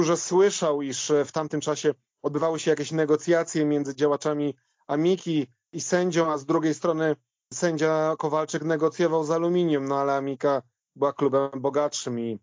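A man with a moderately high voice discusses football history in a conversational, somewhat hesitant way. The sound is dry and close, with a slightly muffled, band-limited top end. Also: darkish tone, no room sound.

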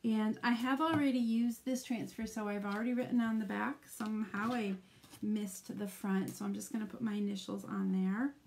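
Middle-aged woman, live craft tutorial host, mid-pitched, chatty step-by-step explainer, faint room hum. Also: fairly even intonation, normal speed, creaky, a little mellow. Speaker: craft demonstrator.

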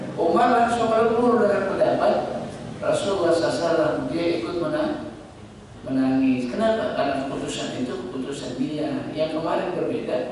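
A man's voice: high-pitched, noisy background. A man preaching, telling stories and acting out the people he quotes, recorded in a mosque. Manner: lively storytelling, acts out quoted speakers. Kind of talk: sermon. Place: mosque hall. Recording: echoey mosque hall from far off.

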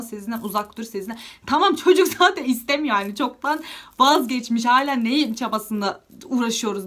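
A young woman vlogger telling a story in a chatty, lively way, acting out the dialogue and using many fillers. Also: a little high. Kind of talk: casual storytime vlog.

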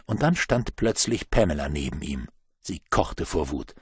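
A man narrating an audiobook in a lively storytelling manner. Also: extremely low pitch, a little slow, slightly rough, no echo, studio quality. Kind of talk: scripted narration.

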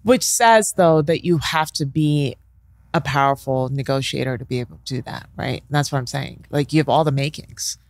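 A woman's voice: extremely low pitch, normal speed, a little mellow, dry recording. A middle-aged woman, a negotiation professor, talking reflectively as an interview guest on a studio mic, often checking in with "right?". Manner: thoughtful, peppers talk with "right?" and "sort of". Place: bright studio with leather armchairs. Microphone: studio mic on boom arm.

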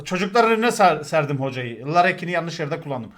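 High-voiced man with crude, animated storytelling. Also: a little fast, a little hiss or hum. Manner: animated, crude, swearing, acts out shouts. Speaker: streamer telling stories. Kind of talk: casual storytelling to stream chat.

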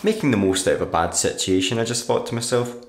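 A man playing a sullen, sardonic writer narrating his diary in a black comedy radio play, dry and deadpan. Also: medium pitch, quick pace, lightly acted. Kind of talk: dramatic monologue, diary narration in a black comedy audio drama. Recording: roomy echo with background noise.

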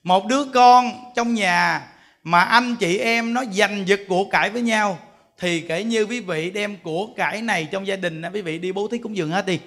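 Man, Buddhist monk, high voice, animated sermon. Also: normal speed. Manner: animated storytelling, acts out quoted voices.

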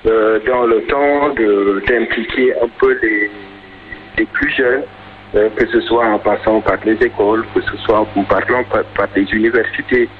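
A man answering a radio interview in halting, hesitant phrases, heard over shortwave radio. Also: lowish voice, steady tone, a crowd in the background. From Senegal. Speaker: festival organizer being interviewed. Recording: noisy, dull shortwave radio reception.

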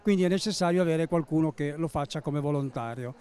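A man in his sixties interviewing guests at an exhibition stand, asking brisk, friendly questions. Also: on the high side, a little mellow, clean tone. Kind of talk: interview at a book fair stand. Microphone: handheld mic.

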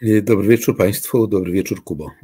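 An older man, a philosophy professor guest on a video call from his study, answering slowly and hesitantly, with frequent filler sounds. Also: lowish voice, dark tone, husky, dry recording, clean studio sound. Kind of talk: interview answers. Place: home study with bookshelves.

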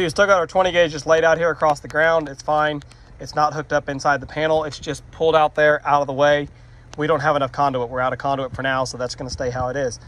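A man's voice: a little high, fairly bright tone, slight background noise. A man talking casually outdoors while he works, explaining each step and poking fun at his own mistakes, recorded on a handheld phone. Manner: chatty, self-deprecating, explains as he works. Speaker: vlogger doing electrical work. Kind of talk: casual how-to walkthrough. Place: outdoors by a metal shop, rainy muddy yard.

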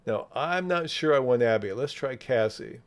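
Male software instructor, medium pitch, measured explanatory delivery for screen walkthroughs. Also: animated. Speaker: software tutorial presenter. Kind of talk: step-by-step screen tutorial narration.

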